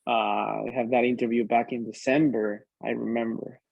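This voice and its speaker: A man's voice: medium pitch, little pitch movement, normal speed, vocal fry, no room sound, phone-quality sound. A young man from Mexico with a Mexican Spanish accent, speaking as an upbeat interview guest who often ends his sentences with "right?". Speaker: interview guest, PhD student. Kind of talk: casual interview chat.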